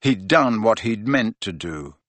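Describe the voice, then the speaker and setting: A man's voice: on the low side, lively intonation, unhurried, a bit bright, no echo. A man voicing an angry, driven teenage boy wizard with an intense, pressing manner. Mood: savage, bitter.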